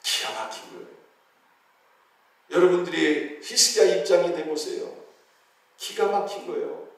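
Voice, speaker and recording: A man's voice: fairly high pitch, normal speed. A man pastor preaching a sermon in a church. He keeps asking the congregation questions and answering them, and he acts out the voices of biblical figures. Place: church sanctuary. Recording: very echoey hall, heard from a distance.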